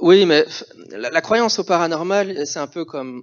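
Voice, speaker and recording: A man talks in a plain, everyday voice. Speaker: psychologist and skeptic podcast host. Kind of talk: live public talk interview.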